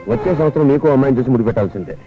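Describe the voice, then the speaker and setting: A genial middle-aged landlord. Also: male voice, mid-range voice, expressive, racing, gravelly. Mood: indulgent. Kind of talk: Telugu film dialogue. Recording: dull lo-fi film soundtrack, loud music.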